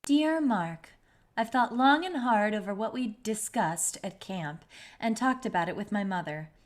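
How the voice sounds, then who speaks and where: A woman's voice: mid-range voice, expressive, measured pace, lightly acted. A woman acting an earnest teenage girl reading out a letter. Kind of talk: table read acting.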